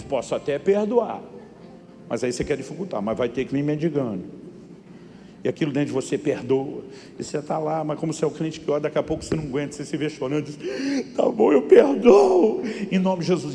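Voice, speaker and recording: Brazilian pastor preaching in a hall. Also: male voice, sits high, warm tone. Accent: Brazilian Portuguese. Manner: storytelling, acts out dialogue, rising to emphatic peaks. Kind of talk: sermon.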